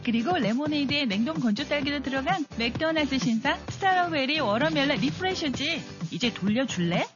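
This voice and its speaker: A woman's voice: high voice, expressive, a little fast. An actress playing a playful young woman who teases her friend about her drink in a radio ad skit. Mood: teasing. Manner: teasing, playful. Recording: lo-fi radio ad over music.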